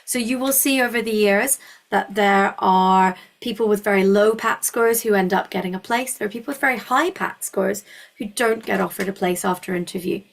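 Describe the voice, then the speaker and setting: A woman from Scotland hosts a university webinar in a creaky, mid-range voice at a moderate pace. She explains things informally, in a reassuring and encouraging manner.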